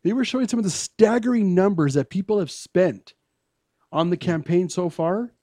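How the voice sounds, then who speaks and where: A man's voice: high voice, warm tone, no echo, clean studio sound. A man co-hosting a talk radio show, explaining and arguing his political points at length. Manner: explaining, argumentative, measured. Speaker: co-host.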